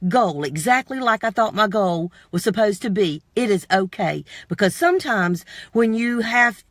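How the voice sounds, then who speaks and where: A woman's voice: medium pitch, expressive, normal speed, dry recording, clean studio sound. A woman giving a motivational talk in an emphatic, preachy way, repeating phrases and firing questions straight at the listener. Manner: direct address with rhetorical questions. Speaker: motivational speaker.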